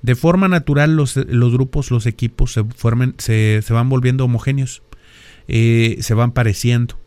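In a clear, resonant mid-range voice that is a little mellow, a middle-aged podcast host speaks at a moderate pace with fairly even intonation and no echo. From Mexico, with a northern Monterrey accent, he explains ideas like a lecturer, often adding rhetorical questions and "¿verdad?".

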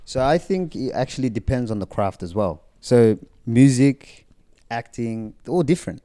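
Mellow young man, lively intonation. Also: mid-range voice, moderate pace. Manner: firm, repeats his point. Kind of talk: casual group chat.

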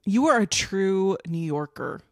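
A woman's voice: mid-range voice, lively intonation, a little slow, no echo, studio quality. Bubbly podcast co-host, a woman. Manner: bubbly, laughs often. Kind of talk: casual chat.

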